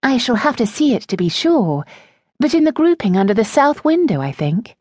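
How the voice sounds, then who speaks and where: A woman's voice: fairly high pitch, very animated, moderate pace, a little mellow, dry recording, voice pushed up. A woman playing a poised, tactful young lady.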